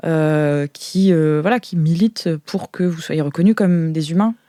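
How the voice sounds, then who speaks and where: A woman playing a flustered insider guide in an improvised audio role-play, explaining things in a halting, hesitant way. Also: deep voice, dark tone, no echo, studio quality. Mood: earnest. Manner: hesitant, halting, searching for words.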